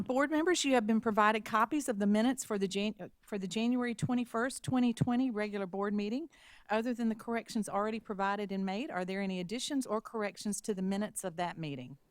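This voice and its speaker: A woman's voice: medium pitch, lively intonation, a little fast, no echo. Woman chairing a formal board meeting. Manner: procedural, polite, with small restarts.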